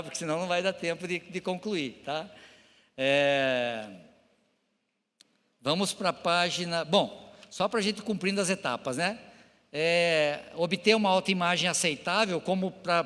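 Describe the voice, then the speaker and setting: Middle-aged male pastor, high voice, emotional halting testimony sermon, long hall reverb. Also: bright, forceful tone. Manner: emotional, halting, addresses the congregation directly. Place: church hall.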